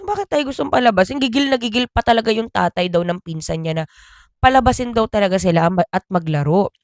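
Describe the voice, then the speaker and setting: Woman spilling gossip to her viewers, super animated ups and downs, dry close sound. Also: medium pitch, fast talker, no room sound. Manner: animated, chatty, addresses listeners directly. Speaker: storytelling vlogger. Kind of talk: casual gossip storytelling.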